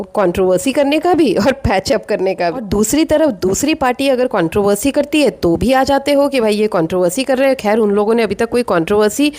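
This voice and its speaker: A woman's voice: fairly high pitch, a little mellow. Chatty woman vlog commentator. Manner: chatty, opinionated, asks rhetorical questions. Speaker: vlog host reviewing other vloggers.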